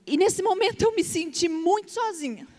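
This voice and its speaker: A woman's voice: very high-pitched, expressive, normal speed, a little mellow. A woman pastor telling a story in a sermon, emotional and vivid, acting out the dialogue. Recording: long hall reverb.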